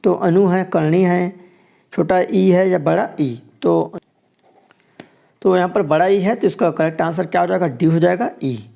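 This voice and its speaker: Gravelly man teaching exam answers. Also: high-pitched, unhurried, lo-fi sound. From Chhattisgarh, India. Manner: explains each answer step by step, repeating it. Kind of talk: exam question walkthrough lesson.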